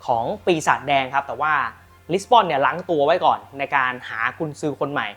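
A man hosting a football news channel, telling the latest transfer stories with lively emphasis and then pitching rare team shirts. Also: fairly quick, husky, faint music behind. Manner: lively, emphatic storytelling with frequent polite particles. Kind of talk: energetic football news commentary and product pitch.

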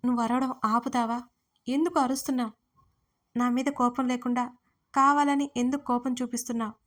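A man's voice: extremely high pitch, steady tone, brisk, a bit bright. Woman reading as Arjun, a pleading young man. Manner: pleading, insistent.

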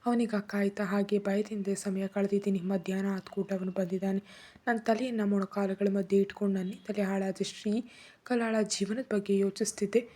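A woman narrating a first-person dramatic story in a soft, often whispery voice, voicing the characters' lines herself. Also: medium pitch, flat delivery, brisk.

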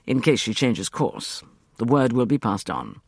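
A suave, sardonic schemer , voiced by a male reader, drawls in a low, unhurried way. His tone has a gravelly texture and a husky grain. It is read close to the mic in a dry space. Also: very animated, no echo, full character voice. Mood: drawling. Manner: irritating drawl. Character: suave, sardonic middle-aged gentleman schemer.

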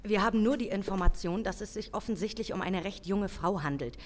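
A woman playing a level-headed senior police official in an audio drama, measured, formal and decisive. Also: medium pitch, a little hiss or hum, close to an everyday voice. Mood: grave, decisive. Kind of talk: German audio drama acting.

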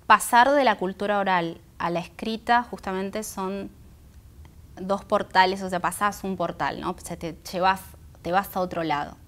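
A woman in her thirties with a Buenos Aires Argentine accent and Guaraní as her first language, reflecting thoughtfully in an interview, pausing between phrases, on a lapel mic. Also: mid-range voice, fairly even intonation, a bit bright. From Argentina, Buenos Aires area. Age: 30s. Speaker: interview guest, singer and poet. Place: indoor auditorium stage. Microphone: clip-on lapel microphone.

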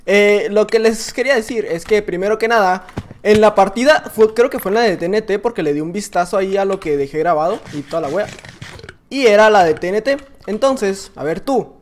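Excitable Mexican gamer man, slangy. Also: sits high, fairly quick, slight background noise. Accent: Mexican Spanish. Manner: excitable, slangy, often shouts and laughs. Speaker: gaming YouTuber. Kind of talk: casual gameplay commentary.

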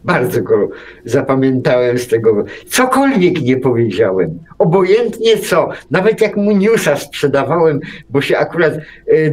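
A man's voice: medium pitch, darkish tone, low-quality recording. A middle-aged man in casual radio conversation, telling things in a wry, anecdotal way. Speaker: radio show speaker. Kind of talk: casual chat.

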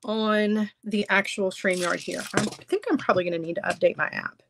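A woman's voice: medium pitch, moderate pace, vocal fry, noisy background. A woman in her thirties with a stuffy, congested voice, chatting casually with viewers from her home craft room. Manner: chatty, animated, gestures with hands. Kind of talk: casual live chat with viewers.

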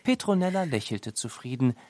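A man narrating a children's audio drama as a scripted storybook tale, with a gravelly voice. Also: mid-range voice, big pitch swings, normal speed, a little mellow, a little hiss or hum.

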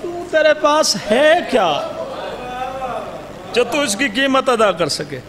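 A man with a Pakistani accent voicing a humble, devoted male servant who answers calmly and firmly. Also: extremely high pitch, slow pace, crowd noise. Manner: calm, firm. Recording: reverberant hall, faint noise.

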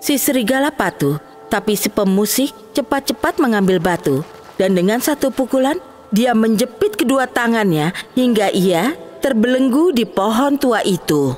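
A woman narrating a children's storybook cartoon with clear, expressive delivery. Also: a little high, normal speed, faint music behind.

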